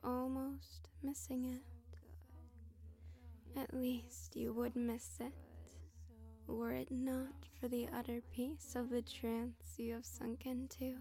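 A woman narrating a hypnosis session in a slow, hushed whisper, soothing and repetitive. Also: high-pitched, little pitch movement.

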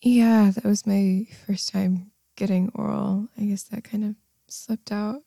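A woman voicing a shy, eager young woman lover, speaking softly with breathy whispers into a close microphone. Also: mid-range voice, flat delivery, a little slow, no room sound. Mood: shy, nervous. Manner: soft, breathy, often whispering. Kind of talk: intimate audio roleplay.

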